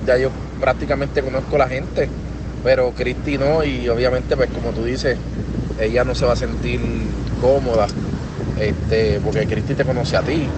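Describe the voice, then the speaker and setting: Puerto rican man leaving a rambling voice note, loud wind and traffic behind. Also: medium pitch. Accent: Puerto Rican Spanish. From Puerto Rico. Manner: rambling, many filler words. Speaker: cousin sending a voice message. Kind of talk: casual voice message.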